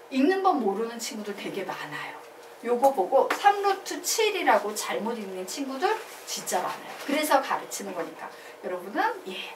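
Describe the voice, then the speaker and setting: A woman math teacher giving a classroom lecture, animated and quizzing her students as she explains. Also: high-pitched, roomy sound, distant mic, background noise. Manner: animated, asks the class questions and drills answers.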